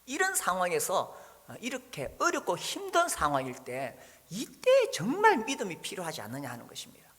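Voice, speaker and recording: A man's voice: high voice, huge pitch swings, moderate pace, hardly any pauses, a bit bright. A man preaching a sermon as pastor, musing aloud with frequent "ah" and "uh" fillers. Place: church sanctuary. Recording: long reverb of a hall.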